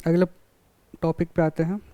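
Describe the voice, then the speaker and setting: High-voiced lecturer, crisp and dry. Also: male voice, flat delivery, moderate pace, warm tone, no room sound. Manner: explains with classroom examples, often checks understanding. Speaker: college lecturer. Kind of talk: classroom lecture.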